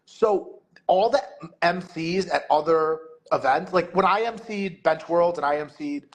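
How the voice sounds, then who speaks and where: A man's voice: fairly high pitch, a little slow. A man talking casually as a podcast guest, rambling with lots of filler words. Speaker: guest, meet director and MC.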